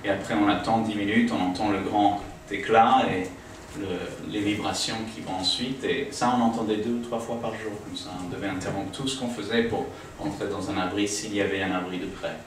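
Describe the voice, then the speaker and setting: Hesitant man, low voice, echoey room. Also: steady tone, fairly quick. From United States. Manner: hesitant, many fillers and restarts. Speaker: guest speaker at a church. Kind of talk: informal talk to a small congregation. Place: living room used for a home church. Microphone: distant camera, speaking through a small PA. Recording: echoey room from a distant camera, audible noise.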